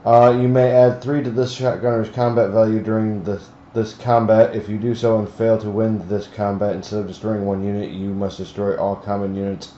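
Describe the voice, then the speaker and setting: A man with a low voice talks casually as a player at a tabletop game. The recording is echoey and muffled, with faint noise. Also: level tone, normal speed, hardly any pauses, warm tone. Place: indoor room, group around a game table. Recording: roomy, dull lo-fi live stream with noise.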